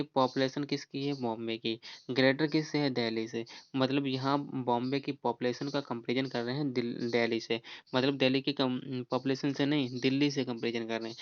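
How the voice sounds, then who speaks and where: Man teaching grammar, flat steady voice. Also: mid-range voice, smooth, dry recording, lo-fi sound. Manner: explanatory, repeats "theek hai?" often, reads rules slowly. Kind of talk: exam-prep grammar lesson.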